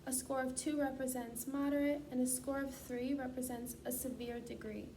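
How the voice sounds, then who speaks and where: High-pitched woman, distant and noisy recording. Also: steady tone, moderate pace, mellow. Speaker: student speech clinician giving a voice assessment. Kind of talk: scripted clinical demonstration. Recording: distant mic, clear background noise.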